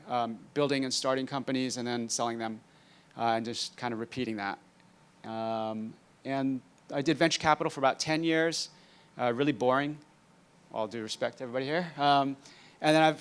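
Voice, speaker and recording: A man in his fifties from Hawaii, giving a conference master class in a relaxed, dry-humored way with frequent ums. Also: mid-range voice, smooth. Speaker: guest speaker, entrepreneur.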